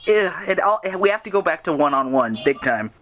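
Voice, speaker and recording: A woman's voice: deep voice, sing-song, brisk, background noise. A woman hosting a podcast, chatting casually in an interview and acting out what other people say in a chatty way. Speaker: podcast host.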